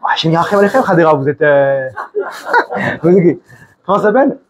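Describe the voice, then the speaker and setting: A man's voice: on the high side, big pitch swings, fairly quick, slight background noise. A man from France with a French accent, giving an informal sermon full of stories, restarts and Hebrew religious terms. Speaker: preacher.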